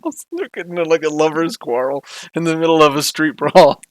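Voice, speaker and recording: A man's voice: fairly high pitch, steady tone, fast, background noise. A man narrating a tabletop game as game master, in a casual, laughing, self-deprecating way.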